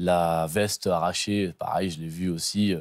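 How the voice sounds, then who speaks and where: A man speaks very slowly in a very deep, low voice with fairly even intonation. The sound is dry with no echo, and the background is quiet. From Paris suburbs, France. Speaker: chef. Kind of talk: personal testimony. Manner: casual, slangy. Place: studio. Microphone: lapel.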